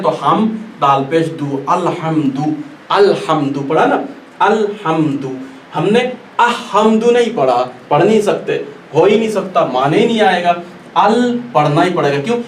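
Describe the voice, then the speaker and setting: A man teaching a Quran recitation class, patiently repeating and stretching out each example word. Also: a little high. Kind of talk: classroom lesson. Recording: echoey room, distant mic, faint noise.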